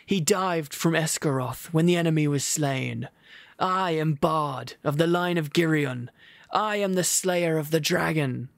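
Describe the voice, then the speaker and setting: A man's voice: on the high side, creaky, no echo, clean studio sound. A man voicing a proud, grim bowman hero. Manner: slow, firm declaring.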